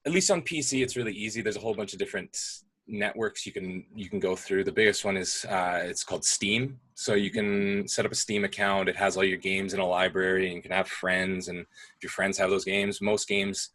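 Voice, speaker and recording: A young man casually explaining gaming on a call, relaxed and explanatory, with plenty of fillers. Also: deep voice, a little fast. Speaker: guest speaking about gaming. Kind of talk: casual video call discussion.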